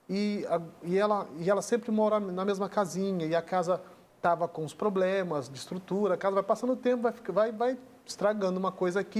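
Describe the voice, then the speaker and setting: A man with a Brazilian Portuguese accent telling an emotional personal story as a guest on a talk show, acting out the dialogue as he goes. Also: high voice. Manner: earnest, acts out dialogue in the retelling.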